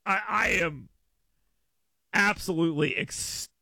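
A man's voice: fairly high pitch, unhurried, gravelly, pushed and bright, dry recording. A man hosting a talk radio show with a brash, sarcastic, riffing manner. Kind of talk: talk radio monologue with live read ad.

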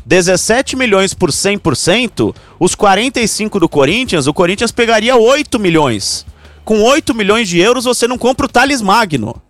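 A man's voice: high voice, moderate pace. Man analyzing football news. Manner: steady, explanatory, cites figures. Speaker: sports radio commentator. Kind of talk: sports talk show discussion.

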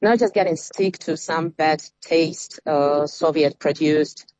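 A woman's voice: low voice, slow pace, darkish tone, no echo. A woman from Ukraine, a guest commentator, arguing in non-native English with loose grammar. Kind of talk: heated debate argument. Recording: dull remote line.

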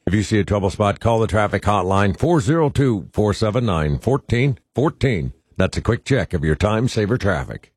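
A man's voice: fairly low pitch, lively intonation, normal speed, hardly any pauses, husky, no room sound, studio quality. An American man delivering a scripted traffic report on the radio. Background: music bed.

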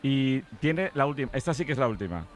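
A man's voice: medium pitch, big pitch swings. A male radio sports show host joking and teasing a caller in casual studio banter. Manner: teasing, quick-fire joking.

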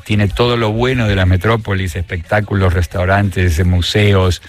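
A man with an Argentine accent, a guest on a radio show, talking in a reflective, measured way with frequent pauses and restarts. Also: low voice, fairly even intonation. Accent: Argentine Spanish. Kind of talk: relaxed radio conversation.

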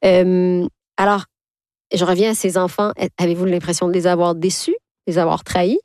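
A woman interviewing a guest in a measured way, helping her find the right words. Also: lowish voice, flat delivery, a little mellow, dry recording. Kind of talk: interview questions.

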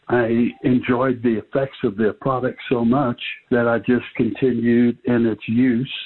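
A man in his seventies giving a measured, formal customer testimonial. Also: mid-range voice, husky. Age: 70s. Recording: tinny phone-like audio.

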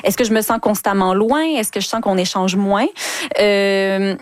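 Measured Québécois woman sexologist. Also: medium pitch, steady tone, no echo, studio quality. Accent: Québécois French. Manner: thoughtful, measured, reflective. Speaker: sexologist guest. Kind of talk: expert advice on a radio show. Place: radio studio. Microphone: studio microphone.

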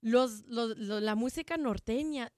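A somewhat high, slightly mellow female voice comes through clean studio sound with no echo. She is an English native speaking Spanish in an informal interview about her jazz program, and her halting speech is full of restarts and fillers.

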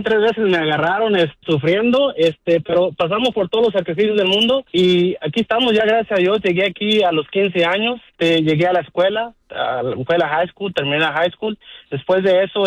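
A man's voice: high-pitched, no echo, muffled recording. A middle-aged Mexican man with a Mexican accent, chatting as a radio guest in a folksy way with many fillers. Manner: warm, folksy, lots of fillers. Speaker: guest, car dealer. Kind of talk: casual radio interview.

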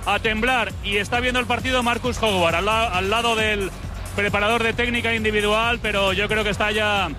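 A man's voice: high voice, steady tone, fairly quick. A man giving a live courtside basketball update on the radio. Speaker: basketball reporter. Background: music.

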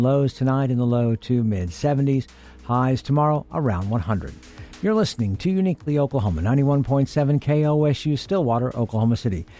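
A man, a local radio station announcer, reading station announcements and the weather in a smooth, even way. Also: medium pitch.

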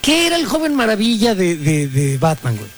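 A man's voice: high voice, huge pitch swings, a little fast, over music. A man in his fifties with a Mexican accent, hosting crude comedic radio banter in a casual, slangy way. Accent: Mexican Spanish. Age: 50s. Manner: casual, swearing, slangy, laughing. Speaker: radio show host.

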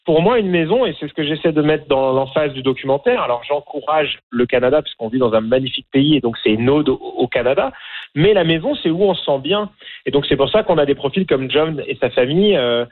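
A man's voice: on the high side, expressive, fairly quick. A middle-aged man from France with a French accent, a documentary filmmaker talking in a radio interview, hesitant with many fillers and restarts. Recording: tinny phone line.

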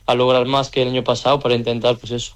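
A young handball player from the Country, answering interview questions casually, with lots of hesitant fillers. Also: male voice, medium pitch, flat delivery, fast talker. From French Basque Country.

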